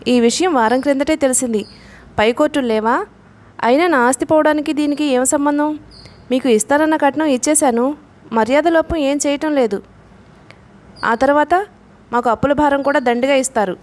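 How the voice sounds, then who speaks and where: A woman's voice: high-pitched, normal speed, pauses often, a little mellow, natural voice. A woman reading the lines of an anxious, defensive father of the bride.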